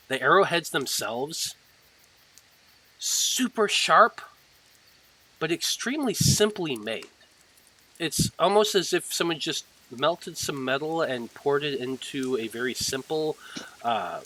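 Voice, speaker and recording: Slow, bright-voiced male dungeon master. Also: medium pitch, rough recording. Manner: measured descriptive narration with fillers. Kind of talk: narrating a tabletop game.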